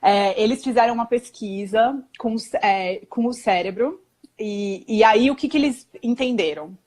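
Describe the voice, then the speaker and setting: A woman's voice: on the high side, darkish tone. A young woman with a Brazilian Portuguese accent, explaining parenting ideas in a casual chat and often checking in with tag questions. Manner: chatty, peppered with tag questions and quick self-corrections. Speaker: parenting guest on a live stream.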